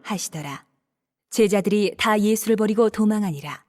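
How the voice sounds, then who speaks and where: A woman narrates scripture for an audio Bible drama. Her voice sits in a middle register, and she tells the story in a steady, even manner, keeping the action flowing between the spoken lines. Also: medium pitch, moderate pace.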